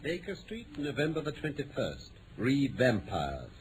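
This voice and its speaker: An actor playing a courteous, authoritative English detective in a British radio drama, with formal, precise delivery. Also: male voice, medium pitch, wildly swooping pitch, measured pace, low-quality recording. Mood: formal, dictating. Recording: vintage radio broadcast with faint noise.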